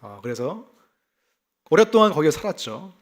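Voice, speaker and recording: A man's voice: on the high side, normal speed. A male pastor from South Gyeongsang delivering an expository sermon, explaining scripture and telling personal stories, often asking his listeners rhetorical questions. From South Gyeongsang, South Korea. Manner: lively expository preaching with personal anecdotes; asks the congregation rhetorical questions.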